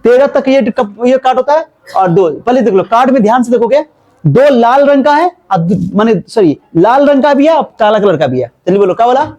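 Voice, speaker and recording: A man's voice: extremely high pitch, expressive, brisk, a little mellow, dull audio. A man teaching a maths class, repeating himself and quizzing his students as he explains. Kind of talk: classroom lesson.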